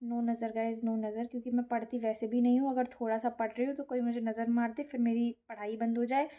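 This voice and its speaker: A woman's voice: on the high side, flat delivery, fairly quick, phone-quality sound. A young adult woman vlogger chatting casually about her day, chatty and self-mocking, mixing in English words. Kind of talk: casual vlog chat.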